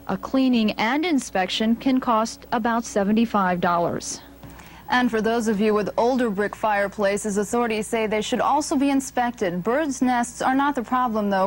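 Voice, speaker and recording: A woman with an American accent reading a scripted local newscast in a measured, formal anchor's delivery. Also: fairly high pitch. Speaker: TV news anchor. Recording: old TV broadcast with background noise.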